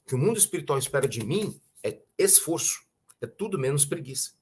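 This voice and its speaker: Husky Brazilian man giving spiritual talk. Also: mid-range voice, lively intonation, brisk, darkish tone. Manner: conversational, with frequent rhetorical questions and "né?" tags; clears his throat often. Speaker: spiritual teacher.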